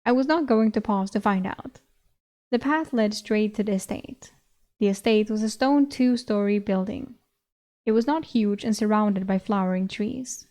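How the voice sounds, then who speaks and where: A woman's voice: mid-range voice, moderate pace, warm tone. A young woman with a Swedish accent, a native Swedish speaker, reading a fantasy novel aloud and stopping to chat and giggle between passages. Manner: giggly, breaks into laughter. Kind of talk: audiobook reading with commentary.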